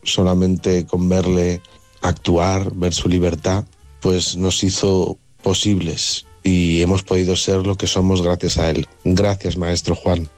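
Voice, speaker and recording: A man speaks a recorded tribute in a solemn, measured tone. His voice is very deep and flat, and the recording is dry, with faint music under it. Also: no echo. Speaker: performer sending a recorded tribute. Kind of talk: recorded spoken message.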